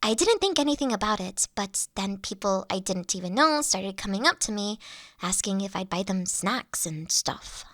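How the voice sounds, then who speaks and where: A woman playing a big, shy, nerdy young dragon student in an intimate audio roleplay, earnest and halting. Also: mid-range voice, lively intonation, fairly bright tone, dry recording, clean studio sound, close to an everyday voice. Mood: wistful, hurt. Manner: bashful, earnest, halting, giggly. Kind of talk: intimate one-sided character audio roleplay.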